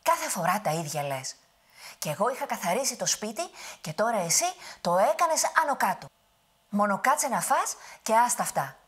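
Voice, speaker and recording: A woman voicing a doting, scolding old witch who is the giant's grandmother, with a husky voice. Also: big pitch swings. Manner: high, loud, scolding and cooing.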